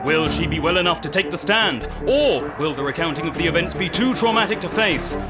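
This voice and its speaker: An actor playing a futuristic news reporter giving dramatic, announcer-like live commentary on a public event. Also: male voice, a little high, lively intonation, brisk, over loud music, close to an everyday voice. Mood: solemn speculation.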